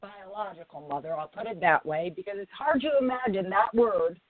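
A woman hosting a live talk radio show in a low, raspy voice, speaking deliberately and leaning on phrases for emphasis. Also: no echo. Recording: tinny phone-line radio audio.

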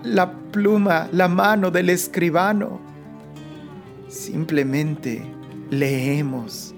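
A woman leading a Christian prayer meditation in the soothing, unhurried manner of a sleep story narrator, pausing between short phrases. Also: deep voice. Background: music.

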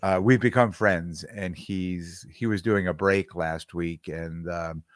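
Low-voiced man rambling through stories. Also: fairly even intonation, slow, dry recording, studio quality. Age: middle-aged. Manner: rambling storyteller with many restarts. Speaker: podcast co-host. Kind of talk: casual podcast chat.

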